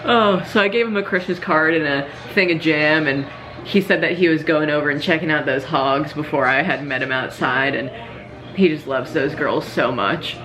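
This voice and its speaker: A woman's voice: deep voice, normal speed, a bit bright, low-quality recording. A young woman chatting casually to her vlog audience in an informal, giggly storytelling way. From Georgia, United States. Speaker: vlogger.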